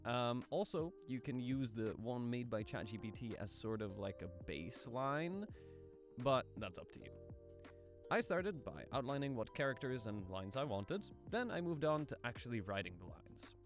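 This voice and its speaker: A man's voice: medium pitch, expressive, moderate pace, music in the background. A man narrating a casual explainer video as an aspiring voice actor, informal and self-deprecating, posing rhetorical questions.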